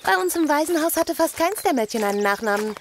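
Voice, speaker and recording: A woman's voice: high voice, lively intonation, fast, noisy background. A woman playing a cheeky, chatty orphan girl in an audio drama, with a childlike, curious and blunt manner. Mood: playful, curious.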